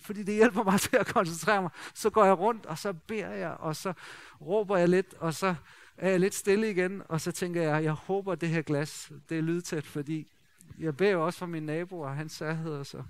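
Casting note: middle-aged man, pastor, high voice, warm conversational preaching with humor. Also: clean tone. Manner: lively, conversational preaching with jokes and rhetorical questions. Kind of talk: sermon.

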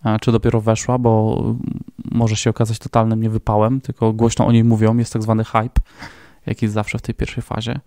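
Mężczyzna, gospodarz podcastu, zadaje pytania swobodnie i żartobliwie, z wahaniami i wtrąceniami „e”. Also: male voice, fairly low pitch, brisk, no room sound, studio quality. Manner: relaxed, jokey questioning with fillers. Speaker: podcast host. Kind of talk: casual interview conversation.

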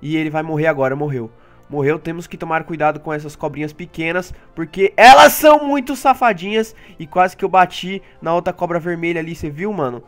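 A man with a Brazilian Portuguese accent giving excitable live commentary on his gameplay. He talks straight to his audience and often jumps into high yelps and laughter. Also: fairly quick, faint music behind. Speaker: gaming YouTuber.

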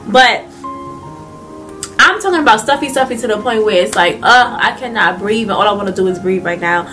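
A woman's voice: medium pitch, fairly quick, far from the mic, faint music behind. A young woman with a congested, stuffy nose, giving a chatty motivational talk to camera with lots of fillers. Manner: chatty, animated, lots of "like" and hand gestures. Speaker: vlogger. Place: small indoor room.

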